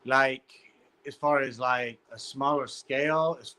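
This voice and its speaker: Casting: male interview guest, bright forward tone, plain-spoken, informal, a little hesitant. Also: mid-range voice, steady tone, unhurried, clean tone. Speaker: guest, combat sports ring announcer. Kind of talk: casual interview answers.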